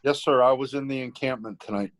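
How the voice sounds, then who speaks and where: A man's voice: mid-range voice, fast talker, no room sound. A man chatting casually and enthusiastically, as a newcomer to a hobby does. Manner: eager, enthusiastic. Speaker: newly tested amateur radio hobbyist. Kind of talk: casual chat.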